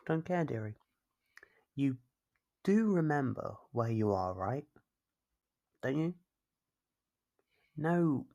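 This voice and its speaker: Husky, creaky possessive stalker, acted out. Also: mid-range voice, darkish tone. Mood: teasing, smug. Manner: coaxing, chiding, drawn-out teasing questions. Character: possessive obsessive stalker captor, mockingly doting and scolding. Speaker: voice actor. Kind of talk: ASMR roleplay monologue.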